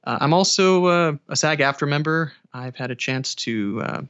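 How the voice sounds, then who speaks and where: Bright-voiced man, slightly dull recording. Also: on the high side, animated, normal speed, clear, resonant tone. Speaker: audiobook narrator and voice actor. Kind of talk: casual podcast interview.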